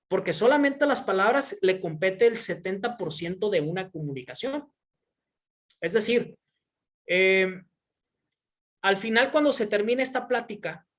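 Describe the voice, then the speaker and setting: A woman presents a sales training webinar from her computer. She talks in a medium-pitched voice and leans hard on single words for emphasis. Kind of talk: online sales training talk.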